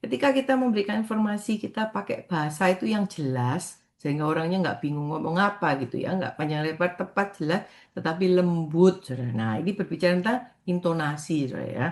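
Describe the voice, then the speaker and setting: Low-voiced woman preaching conversationally. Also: animated, fairly quick. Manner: warm conversational preaching, often addresses listeners as "saudara". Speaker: evangelist leading morning prayer. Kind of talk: sermon.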